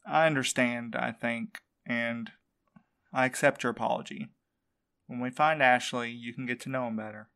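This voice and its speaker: A man's voice: medium pitch, steady tone, normal speed, gravelly, fairly bright tone. A man playing an exhausted, worried courier in an audio drama, earnest and weary in manner. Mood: subdued, earnest. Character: exhausted, worried male courier missing his partner. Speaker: actor in a fiction podcast. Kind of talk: naturalistic audio drama acting.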